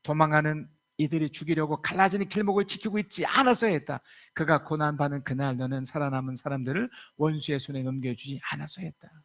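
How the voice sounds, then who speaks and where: Man, pastor, sermon, gravelly, fairly high voice. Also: fast, hardly any pauses. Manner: lively storytelling, acting out quoted voices. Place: church sanctuary.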